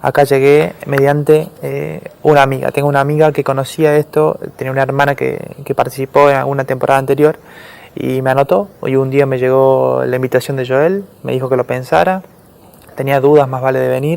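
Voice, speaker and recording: Fairly quick and fairly even in intonation, a man talks at a medium pitch. It is an ordinary speaking voice. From Argentina, Catamarca. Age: 20s. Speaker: psychology student, program participant. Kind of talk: testimony.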